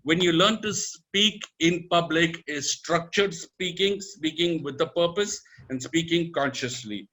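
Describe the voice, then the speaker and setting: A man's voice: unhurried, few pauses, sharp tone, rough recording. A man in his fifties with an Indian English accent, giving an emphatic motivational talk on public speaking and mixing in Hindi words. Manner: emphatic, swings voice high and low, sprinkles Hindi words.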